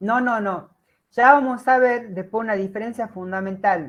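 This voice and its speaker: Speaking very slowly, the woman uses a fairly high pitch that rises and falls in an ordinary way. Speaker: professor. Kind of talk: lecture.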